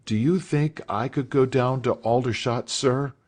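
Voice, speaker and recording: A man's voice: mid-range voice, steady tone, measured pace, a little mellow, voice pushed up, lightly acted. A man reading aloud voices a nervous, earnest teenage schoolboy who speaks hesitantly.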